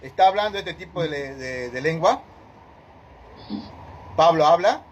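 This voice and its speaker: Male Bible study leader, emphatic and questioning, pitched a bit high, faint background hiss. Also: lively intonation, a little slow, muffled recording. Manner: questioning, emphatic, addresses group directly.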